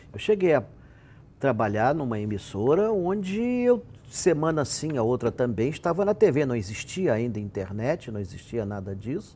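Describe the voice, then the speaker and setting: The voice has a dark, mellow tone and is somewhat breathy, moving at a moderate pace with very wide pitch swings. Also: man. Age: 60s. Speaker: historian and architect. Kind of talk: interview.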